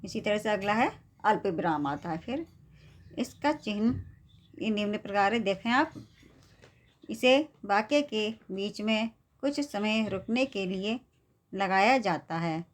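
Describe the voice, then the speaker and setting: A woman's voice: mid-range voice, animated, takes it slowly. A woman teacher patiently explaining a lesson to young students, often checking in with them. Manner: patient, repeats "theek hai" to check understanding.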